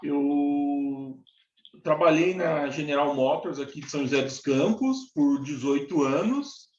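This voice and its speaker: A man's voice: on the high side, measured pace, a little mellow, a little hiss or hum. Man, 40s, interviewee; plain-spoken and earnest, dull lo-fi recording. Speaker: interviewee, former factory worker. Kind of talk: casual interview talk. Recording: echoey room, dull lo-fi sound.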